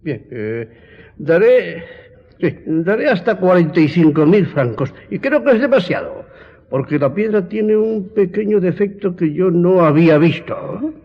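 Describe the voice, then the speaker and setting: A man's voice: high-pitched, big pitch swings, measured pace, husky, highs cut off, exaggerated voice. A man acting in a radio drama as a shrewd, slyly polite jeweler who haggles, stammering and repeating his words. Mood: haggling.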